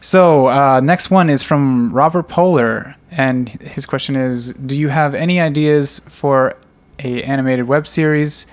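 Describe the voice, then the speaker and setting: A man's voice: mid-range voice, measured pace, few pauses. A man co-hosting a podcast, chatting casually and taking listener questions. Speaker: podcast co-host and animated series creator.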